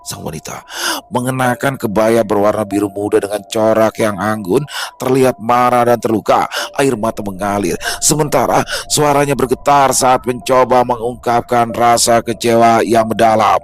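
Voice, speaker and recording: A man narrating a scripted horror story in a slow, hushed, dramatic way. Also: medium pitch, fairly even intonation, soft background music.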